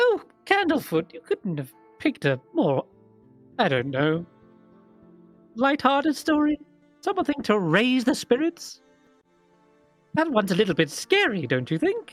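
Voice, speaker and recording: Putting on a shrill character voice at an extremely high pitch, a man speaks at a moderate pace with very wide pitch swings and long, frequent pauses, the sound dry and close with no echo and faint music behind. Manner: chiding.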